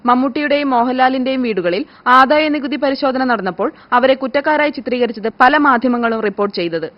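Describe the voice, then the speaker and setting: A woman reads scripted news as a broadcast news reader. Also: quick pace. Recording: muffled, low-fidelity broadcast audio.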